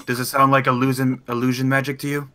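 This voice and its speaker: A man's voice: mid-range voice, little pitch movement, quick pace, bright, forceful tone. A man talking casually as a player in a roleplay game, questioning and insistent.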